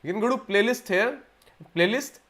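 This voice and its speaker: A man's voice: high-pitched, moderate pace, a bit bright. Indian man hosting a rambling livestream. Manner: rambling with frequent restarts and repeated words. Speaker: livestream host. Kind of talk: casual live Q&A talk.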